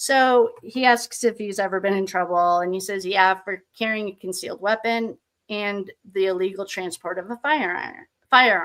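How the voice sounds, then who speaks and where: Using a plain, everyday voice, a woman with an American accent speaks at a medium pitch and moderate pace with fairly even intonation. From New Hampshire, US. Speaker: true crime tarot YouTuber. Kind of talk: reading aloud court transcript with commentary. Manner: casual.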